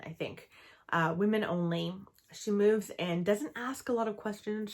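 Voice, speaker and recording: A young woman from Canada talks through her reading list in a relaxed, slow-paced ramble. She fills gaps with little fillers and stops to fix her own slips. Her voice sits at a middling pitch for a woman. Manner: chatty, rambling, with fillers and self-corrections. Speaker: book vlogger. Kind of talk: casual book chat to camera.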